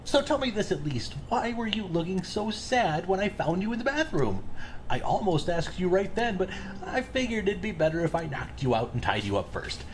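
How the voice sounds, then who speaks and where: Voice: mid-range voice, big pitch swings, moderate pace, close to an everyday voice, poor audio. An actor in an audio drama playing a chatty, self-righteous serial killer who believes angels guide the work, with a breezy, casual manner. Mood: casual, probing. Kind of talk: full-cast audio drama acting. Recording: faint background noise and ambience.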